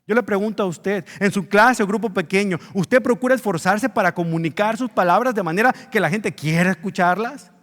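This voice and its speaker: High-voiced preacher in a reverberant church. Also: male voice, a little fast, hardly any pauses, a bit bright. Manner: earnest preaching, rising emphasis on key words. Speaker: pastor. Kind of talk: sermon.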